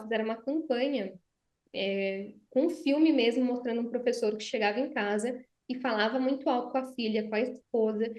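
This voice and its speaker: A Brazilian woman speech therapist explains voice technique, stopping to demonstrate. Her voice sits a little high. The room adds a noticeable echo. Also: muffled recording. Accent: Brazilian Portuguese. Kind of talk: conversational explanation. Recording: roomy echo.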